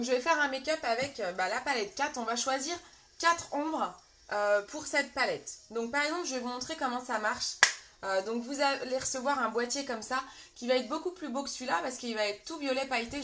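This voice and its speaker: A woman's voice: high-pitched, a little fast, very noisy. A woman with a French accent hosting a casual live makeup tutorial from her bedroom, chatting and greeting viewers by name with many fillers. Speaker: makeup seller and live host.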